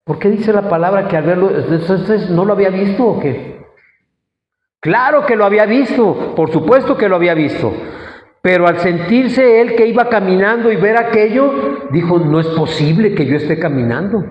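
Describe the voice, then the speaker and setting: Brief: male preacher, high voice, slow and deliberate, echoey hall with long reverb. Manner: questions the congregation, acts out quoted lines. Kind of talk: sermon. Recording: echoey hall, dull lo-fi sound.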